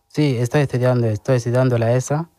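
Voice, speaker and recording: Halting man, mellow voice. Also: medium pitch, fairly even intonation, no echo. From Sudan. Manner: hesitant, halting, searching for words. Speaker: interview guest. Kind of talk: radio interview. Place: radio studio.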